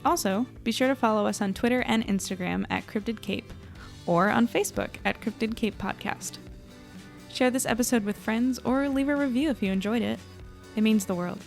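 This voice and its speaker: A woman hosting a podcast, reading scripted closing credits in a clear announcing style. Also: a little high, moderate pace, soft background music.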